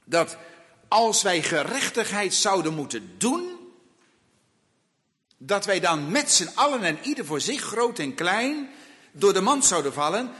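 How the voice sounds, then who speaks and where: A man preaching a sermon slowly and emphatically, asking rhetorical questions of his listeners. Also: high-pitched, big pitch swings, pushed and bright, long reverb tail.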